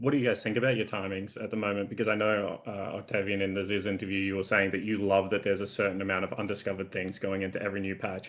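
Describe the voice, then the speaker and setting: A man with an Australian accent, fairly low in pitch, at a very fast pace. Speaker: game content creator. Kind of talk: interview discussion.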